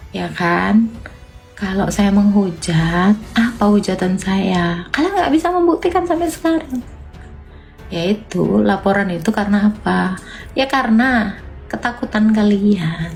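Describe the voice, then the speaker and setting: Emotional woman livestreamer, voice leaping high. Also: gravelly. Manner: emotional, defensive, talks to viewers directly; voice jumps high when agitated. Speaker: livestream host. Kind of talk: casual livestream chat answering comments.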